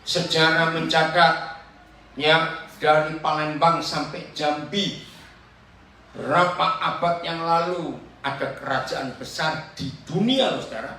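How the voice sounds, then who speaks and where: A man's voice: fairly high pitch, steady tone, slow, sharp tone, a little hiss or hum. A man preaching a sermon as pastor, questioning and joking with his congregation. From Papua. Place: church hall. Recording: very echoey hall, voice from far off.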